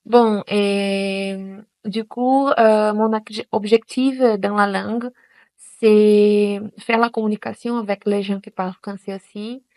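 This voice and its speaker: A Brazilian woman, a native Portuguese speaker, gives a hesitant testimonial in French, with many pauses and fillers. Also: mid-range voice, fairly even intonation, a little mellow, no echo. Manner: hesitant, many fillers and restarts in a second language. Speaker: student giving a testimonial. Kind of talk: spontaneous testimonial.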